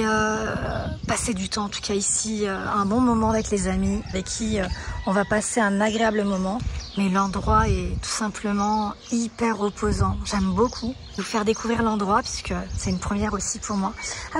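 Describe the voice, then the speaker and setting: A woman lifestyle vlogger talks to camera at a countryside ranch, chatty and gushing with enthusiasm over what she's showing. Her medium-pitched voice has fairly even intonation at a normal pace, recorded with roomy echo and faint background noise.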